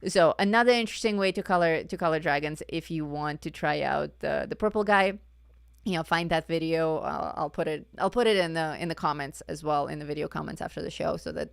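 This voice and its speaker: A woman teaching a live-stream coloring lesson, chatty and casual, repeating herself as she corrects her words, her voice starting to go hoarse. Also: sits low, brisk, no echo, clean studio sound. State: voice going hoarse.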